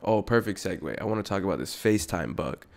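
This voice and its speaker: A man's voice: low-pitched, animated, fast, gravelly. A young man hosting a comedy podcast on his own, rambling, swearing a lot and interrupting himself. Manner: profane, rambling, self-interrupting. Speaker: podcast host. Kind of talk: solo comedic podcast rant.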